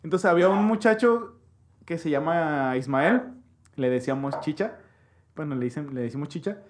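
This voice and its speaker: A man's voice: a little high, animated, moderate pace. A young man with a Mexican accent tells a childhood story in casual, slangy chat, jumping into voices to mimic people.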